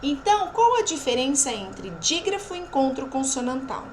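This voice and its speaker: A woman's voice: high-pitched, very animated, a little hiss or hum, rough recording. A Brazilian Portuguese woman teaching a lesson, drawing out example words and checking in with her class after each point. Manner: slow, drawn-out pronunciation of example words. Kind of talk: recorded remote lesson.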